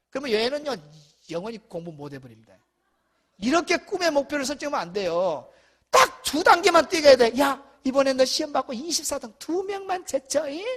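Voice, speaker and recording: A middle-aged man from South Korea, a pastor giving an animated seminar lecture to church teachers, acting out dialogue and shouting at the peaks. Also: very high-pitched.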